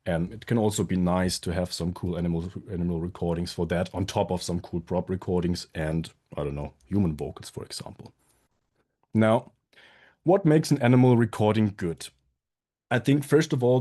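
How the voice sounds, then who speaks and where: Deep, mellow man, a bit sick. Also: animated, moderate pace. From Germany. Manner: friendly, self-deprecating humor. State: sick, voice strained. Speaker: conference speaker, sound designer. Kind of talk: presentation talk.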